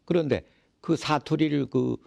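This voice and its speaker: A man's voice: on the high side, measured pace, creaky, darkish tone, no echo. A man hosting a casual interview, explaining things at a leisurely pace with many fillers. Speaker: interview host.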